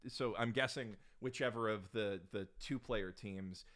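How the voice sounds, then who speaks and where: A man's voice: lowish voice, a little slow, a bit bright. A young adult man co-hosting a podcast at home, thinking aloud in a hesitant way with many fillers, close to a desk mic. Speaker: podcast co-host. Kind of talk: casual chat. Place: home studio room with bookshelves. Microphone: desk broadcast mic on boom arm.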